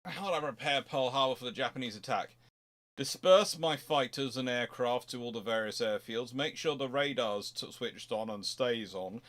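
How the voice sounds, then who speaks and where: A man with a mid-pitched voice hosts an informal history Q&A stream. He talks conversationally and haltingly, leaning firmly on key words as he explains. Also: a bit bright. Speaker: host answering viewer questions.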